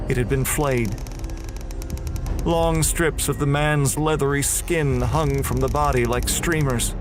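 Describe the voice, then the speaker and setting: A man playing a frightened prison inmate, giving a grim, deliberate first-person horror narration. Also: medium pitch, close to an everyday voice. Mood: grim dread. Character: terrified, bewildered male prison inmate recounting horror. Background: music.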